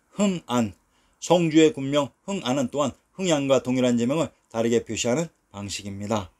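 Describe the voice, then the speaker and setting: A man narrating a scripted history lesson, reading out lists of old place names in a measured, even way. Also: medium pitch. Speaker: narrator of a history lecture series.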